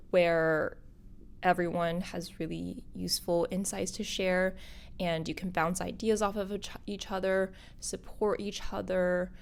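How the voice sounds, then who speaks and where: Young woman podcast host, kinda husky cuz she's sick, lowish voice, bubbly and chatty straight to viewers. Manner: bubbly and upbeat, addressing viewers directly. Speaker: podcast host and content creator. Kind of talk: casual solo podcast talk.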